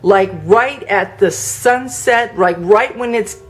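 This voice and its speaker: A woman's voice: a little high, slow pace, soft background music. A middle-aged woman vlogger casually telling a personal story, chatty and laughing often. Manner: chatty, laughs often, acts out quoted voices.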